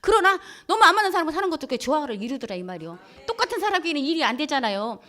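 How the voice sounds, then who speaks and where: A woman pastor with a fairly high voice gives a church testimony. She tells it in a lively, colloquial storytelling manner. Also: very fast. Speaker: pastor and head of a Christian broadcaster.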